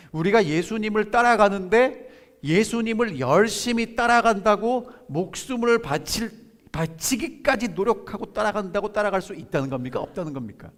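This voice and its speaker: Man preaching in a reverberant church. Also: high voice. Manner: keeps asking the congregation questions, then answers them; reads scripture aloud slowly and softly. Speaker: pastor. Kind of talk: sermon. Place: church sanctuary. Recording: long church hall reverb.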